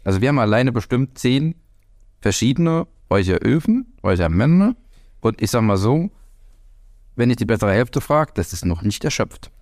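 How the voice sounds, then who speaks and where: A man's voice: medium pitch, very animated, normal speed, darkish tone, dry recording, studio quality. A man from Franconia with a Hessian accent, co-hosting a casual podcast chat from a home party room, wry and talking in stops and starts. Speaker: podcast co-host.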